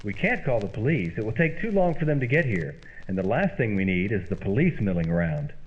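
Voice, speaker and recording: A man's voice: on the low side, big pitch swings, a little fast. A man playing a fussy, anxious, socially ambitious party host in an old-time radio comedy, bossy and eager to impress. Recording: muffled, very noisy old radio sound.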